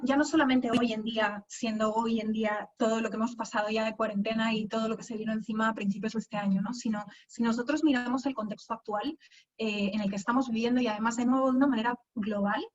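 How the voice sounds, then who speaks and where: A woman from Madrid speaks with a Spanish accent in a somewhat high voice. She talks in a loose, conversational way full of fillers and restarts, heard through muffled, lo-fi video-call audio. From Spain. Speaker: guest speaker. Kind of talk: webinar talk.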